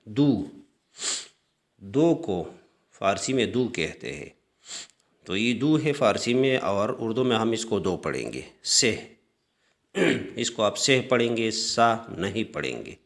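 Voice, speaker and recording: Deep-voiced man teaching a language lesson. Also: big pitch swings. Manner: slow, repetitive, with frequent hesitations; clears his throat often. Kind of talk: screen-share language lesson.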